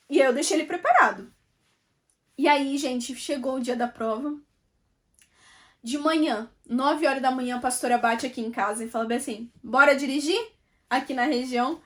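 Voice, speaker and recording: A woman giving an emotional personal faith testimony, chatting directly to her viewers. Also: high voice.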